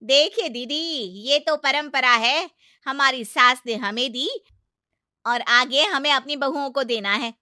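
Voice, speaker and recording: A woman voicing a loud, sharp-tongued middle-aged aunt-in-law who taunts and scolds. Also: sits high, big pitch swings, measured pace, dry recording, clean studio sound, voice pushed up, exaggerated voice. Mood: scolding.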